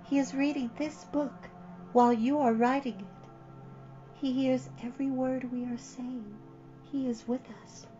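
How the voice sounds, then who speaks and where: A man voicing a serene, resolute childlike empress from a fairy-tale storybook, in a soft, light, hushed voice with calm, measured delivery. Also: very high-pitched, muffled recording, faint music behind, pitched above the performer's own voice. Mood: quietly confident.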